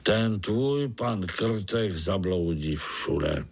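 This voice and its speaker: A man's voice: low-pitched, animated, breathy edge, heavily acted. A man voicing a grumpy, gloomy male earthworm who grumbles scornfully.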